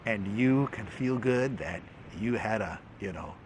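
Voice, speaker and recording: A man's voice: lowish voice, expressive, measured pace, noisy background. A middle-aged man hosting a casual Bible teaching talk, folksy and humorous, often restarting his words and chuckling.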